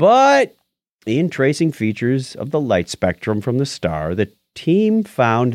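Dry and close with no echo, on a very clean recording with a silent background, a man speaks at a fairly slow pace with very wide pitch swings. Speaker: podcast co-host. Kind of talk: casual chat. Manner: joking.

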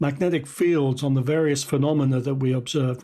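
Someone with a British accent talks at a moderate pace. The voice is somewhat breathy. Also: man. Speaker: radio astronomer and observatory director. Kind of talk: casual interview.

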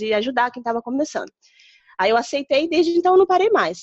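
A woman's lively, very fast speech, dry and close with no echo. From Brazil, Guarulhos (São Paulo state). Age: 30s. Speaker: painter and art teacher. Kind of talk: interview.

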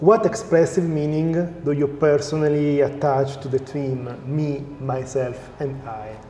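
A man with an Italian accent talks at a fairly slow pace and fairly high pitch over noticeable background noise. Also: ordinary pitch variation. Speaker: interviewer. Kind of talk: interview. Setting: festival.

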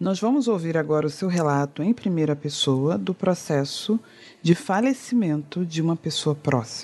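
A woman speaks with a dark, mellow tone at a fairly low pitch. Her intonation is lively, and the background is quiet. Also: moderate pace. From Rio de Janeiro, Baixada Fluminense. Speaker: podcast host. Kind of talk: scripted narration; casual chat.

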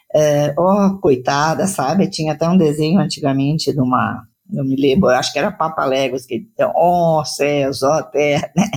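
Her voice is very deep and low for a woman, moving at a moderate pace with ordinary pitch variation. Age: 60s. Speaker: widow sharing her faith story. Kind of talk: interview testimony.

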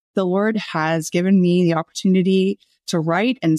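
The sound is dry and close with no echo, over a quiet background. A woman at medium pitch talks with fairly even intonation in an unremarkable speaking voice. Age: 40s. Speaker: author and homeschooling mother. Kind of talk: interview conversation.

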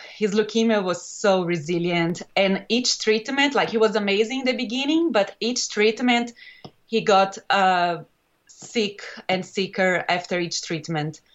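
With a Brazilian Portuguese accent, a woman speaks at a medium pitch and a fairly slow pace, using ordinary pitch variation. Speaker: board game designer. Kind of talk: personal testimony in interview. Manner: halting.

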